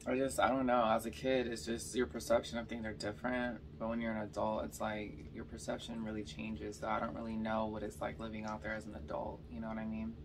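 A young woman from Georgia with a slight Californian accent and a slightly raspy voice, chatting casually between bites while eating on camera. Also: rumbling low, level tone, brisk, hardly any pauses, recorded from a distance, background noise. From Georgia, US South. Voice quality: a little raspy. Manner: chatty storytelling between bites, lots of "like" and "y'all". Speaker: mukbang vlogger. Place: bedroom, indoors.

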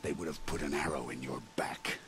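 An actor playing a bitter, contemptuous tribal war chief in a video game, scornful and commanding. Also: male voice, very deep voice, steady tone, brisk, a bit bright, slight background noise. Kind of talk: dramatic video game dialogue.

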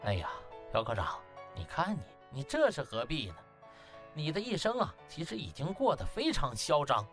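Brief: male narrator as slick, smug young official, hugely animated swings, mock-polite taunts, audiobook over music. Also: a little high. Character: cocky young male hospital section chief, mocking and slick. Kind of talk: audiobook character acting.

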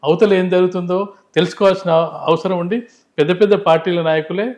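A man's voice: sits high, fairly even intonation, fast, darkish tone. A man giving unscripted political analysis in an interview, emphatic and explanatory, repeating phrases to drive points home.

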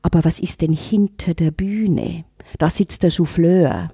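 Low husky woman telling her story. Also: measured pace, dark tone, no echo, clean studio sound. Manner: reflective, storytelling, emphatic. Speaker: intercultural trainer, guest. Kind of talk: casual podcast talk.

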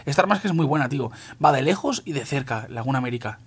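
This young gaming YouTuber from Spain speaks very fast in an animated, husky, medium-pitched voice with a Castilian accent. He gives casual commentary on his mobile shooter game for viewers, swearing and calling people "tío".

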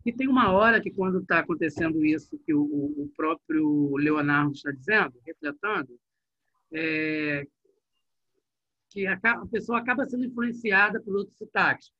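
A middle-aged male teacher, leading an online class in a lively, chatty way and talking straight to his students. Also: high voice, normal speed, no room sound. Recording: dull, muffled online class audio.

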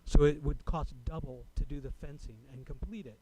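A man speaking as a resident at a public meeting, delivering a prepared comment in a formal, deliberate way. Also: fairly high pitch, crowd noise, low-quality recording. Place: city council chamber.

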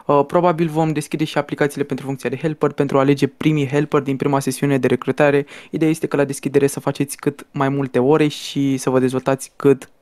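A man's voice: mid-range voice, hardly any pauses. A man, steadily explaining game features and guiding another player. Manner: steady instructive, brief laughs. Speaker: game server staff presenting features.

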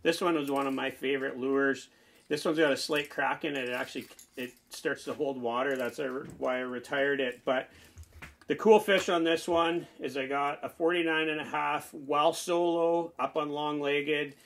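Bright-voiced chatty fishing host. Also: male voice, on the high side, steady tone, normal speed, vocal fry. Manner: chatty, rambling, enthusiastic. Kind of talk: casual show-and-tell walkthrough. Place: small indoor man cave packed with lures.

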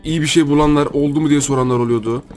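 A man's voice: a little high, fairly even intonation, racing, darkish tone, soft background music. A young man with a Turkish accent giving chatty gameplay commentary, thinking aloud and talking to his viewers as friends. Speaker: gaming YouTuber.

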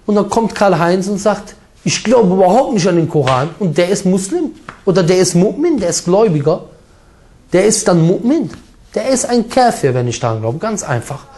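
A man preaching a sermon with emphatic, forceful delivery, mixing in Arabic recitation. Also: sits high, very animated, normal speed.

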